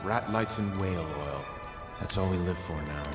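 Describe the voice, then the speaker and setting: A man's voice: deep voice, normal speed, music in the background, close to an everyday voice. A man playing a cynical aristocratic party guest in a video game, dry and disdainful. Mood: cynical, gloomy. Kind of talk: video game character dialogue.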